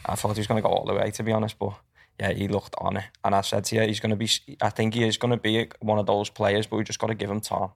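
A man chatting casually as a co-host, quick and slangy. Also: fairly low pitch, monotone, gravelly.

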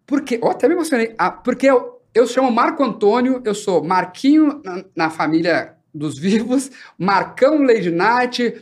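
A man's voice: very high-pitched, moderate pace, few pauses. Man animatedly telling a wild story. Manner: animated, acts out scenes with laughter. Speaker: guest storyteller. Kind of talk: casual podcast storytelling.

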